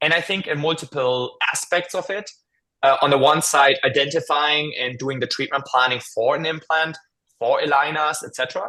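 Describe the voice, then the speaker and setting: A man with a German accent talks at a moderate pace in a fairly high voice with a bright, sharp tone and ordinary pitch variation. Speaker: AI dental software company founder. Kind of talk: webinar panel discussion. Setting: online webinar. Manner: many fillers and repetitions.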